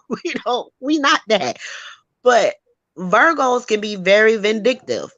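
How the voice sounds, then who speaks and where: A woman hosting a casual gossip chat, talking in an animated, sassy and emphatic way and laughing often. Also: a little high, takes it slowly, dry recording. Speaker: host.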